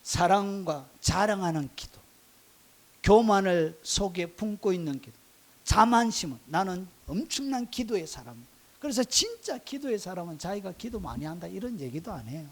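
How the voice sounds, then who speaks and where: Lively high-voiced Korean pastor preaching. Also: male voice, normal speed. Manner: animated preaching with rhetorical questions to the congregation; mimics voices and frog croaks for effect. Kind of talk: sermon.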